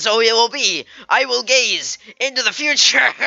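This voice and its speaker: A man in a put-on character voice, extremely high in pitch, at a moderate pace with very even loudness. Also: fairly even intonation. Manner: mystical, theatrical.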